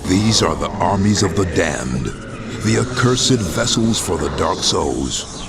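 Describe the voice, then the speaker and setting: An actor playing a brooding undead voodoo warrior and grim lord of the dead in a video game, with a very deep, gravelly voice and an ominous, theatrical, poetic delivery. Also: male voice, expressive, takes it slowly, heavily acted. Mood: brooding, haunted. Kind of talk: dramatic scripted game monologue. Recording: long cavernous reverb, clear background noise.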